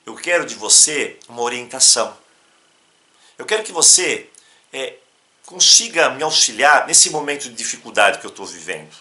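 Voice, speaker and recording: A man's voice: mid-range voice, moderate pace. A man from Brazil teaching a self-help practice in an emphatic, instructional talk. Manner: animated, emphatic, breaks into demonstrations.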